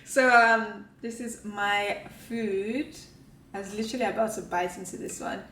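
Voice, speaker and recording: A woman's voice: medium pitch, steady tone, normal speed, background noise. Chatty woman vlogging in an echoey kitchen. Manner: chatty, rambling, many "like" fillers. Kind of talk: casual chat to camera. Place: home kitchen at the counter. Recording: echoey room with faint ambience.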